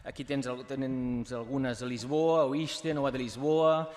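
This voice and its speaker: A man with a Catalan accent giving a conference presentation, halting through fillers and restarts as he drifts between languages. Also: mid-range voice, little pitch movement, darkish tone. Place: university conference hall. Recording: reverberant hall.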